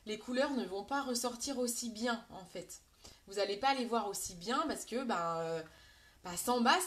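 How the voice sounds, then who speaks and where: A woman's voice: on the high side, fairly bright tone. A woman with a French accent hosting a live makeup tutorial, chatting to her viewers as she works. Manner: chatty, addresses viewers directly, reads out comments.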